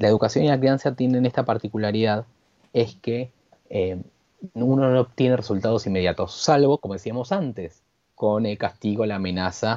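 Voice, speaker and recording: In a Rioplatense accent, a man speaks at a moderate pace. His tone is dark and mellow. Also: medium pitch for a man, ordinary pitch variation. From Argentina. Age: 40s. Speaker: school counselor and parenting workshop leader. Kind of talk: interview conversation. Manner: halting, many repetitions.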